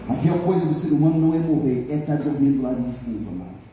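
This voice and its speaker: A man's voice: mid-range voice, lively intonation, fast, warm tone, a little hiss or hum. A middle-aged man, preaching a humorous sermon and teasing his congregation. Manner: joking, teasing the congregation, mimicking people. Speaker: pastor. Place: church hall. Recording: echoey hall from a distant mic.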